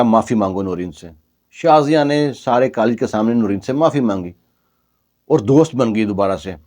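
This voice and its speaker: A man of middle pitch spins a domestic tale in loose, everyday speech. He repeats himself, drops in fillers and slips into each character's lines without a break. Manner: chatty, colloquial, lively retelling with many fillers. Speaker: storyteller. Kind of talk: casual spoken storytelling.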